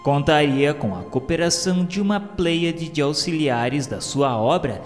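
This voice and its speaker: A man's voice: a little high, expressive, a little slow. Solemn Brazilian male narrator in long reverb. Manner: solemn, formal, literary delivery. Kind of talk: scripted narration of a religious radio serial. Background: music.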